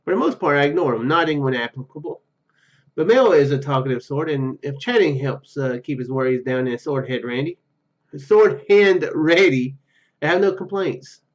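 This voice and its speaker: A man's voice: a little high, expressive, moderate pace. A man reading a game's narration aloud and adding casual commentary as a gaming video host, on a slightly lo-fi microphone.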